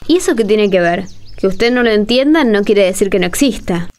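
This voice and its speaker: A woman's voice: medium pitch, animated, a little fast, darkish tone, natural voice. A woman playing a bold, curious blind woman in a radio drama, playful and insistent in her questioning. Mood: challenging.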